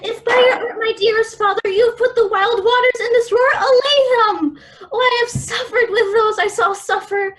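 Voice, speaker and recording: Woman doing young shakespeare daughter, high voice, tender n earnest, radio play verse. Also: normal speed, a bit bright. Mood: distressed, pleading.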